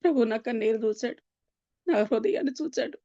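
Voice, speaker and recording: A woman giving an emotional personal testimony, earnest and pleading, with pauses and many fillers. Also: a little high, animated, dark tone, no room sound. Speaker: Christian testimony speaker. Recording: dull, dry lo-fi sound.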